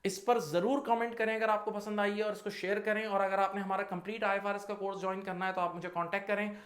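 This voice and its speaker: A man's voice: high-pitched, level tone, quick pace, fairly bright tone. A man teaching accounting, conversational, acting out little dialogues as he explains. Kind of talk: lecture to students. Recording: roomy echo.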